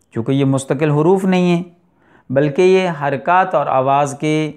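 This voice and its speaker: A middle-aged man teaching a recitation lesson, explaining and slowly drawing out letters and verses. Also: mid-range voice, a little mellow. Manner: slow deliberate articulation of letters, drawn-out recitation. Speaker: tajweed teacher.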